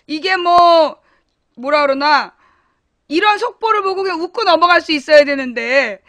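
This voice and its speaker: A woman hosts a casual live-stream chat show, thanking viewers by name and mocking her critics with a laugh. Her voice sits high and bright. It is recorded dry and close on a desk mic. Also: no echo. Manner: chatty, laughing, blunt and mocking.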